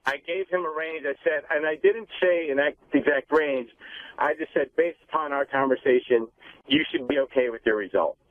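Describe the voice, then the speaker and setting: A man's voice: fairly high pitch, normal speed, dry recording. A man calling in to a radio show over the phone as a guest doctor, explaining things off the cuff. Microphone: phone line. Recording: thin, phone-like call audio.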